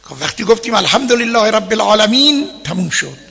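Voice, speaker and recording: Male religious teacher, gravelly bright voice, explains recitation rules and chants verses in a hall. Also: high voice, big pitch swings, soft background music. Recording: long hall reverb.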